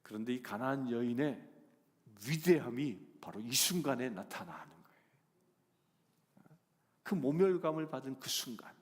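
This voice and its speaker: Male pastor, sermon in a church, swinging pitch, loud emphatic build-ups, long reverb. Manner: swells to loud emphatic climaxes, asks the congregation questions. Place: church sanctuary.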